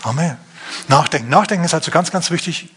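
A man's voice: a little high, lively intonation, quick pace, a bit bright, slight background noise. A middle-aged man preaching a sermon at a church service, telling a story with animation and acting out the characters' lines. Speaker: pastor.

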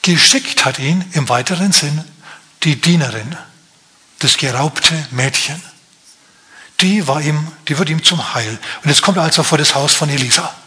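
A male pastor preaching a lively storytelling sermon, dramatizing the story and addressing listeners directly. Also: fairly high pitch, moderate pace.

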